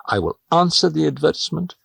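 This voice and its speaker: A man's voice: on the high side, big pitch swings, fast talker, vocal fry, a bit bright, breathy edge, no room sound, studio quality, pitched above the performer's own voice, heavily acted. A man voicing a poor, anxious male sailor who talks himself into a risky plan, reasoning aloud. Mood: scheming. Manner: self-persuading, reasoning aloud. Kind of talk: audiobook reading.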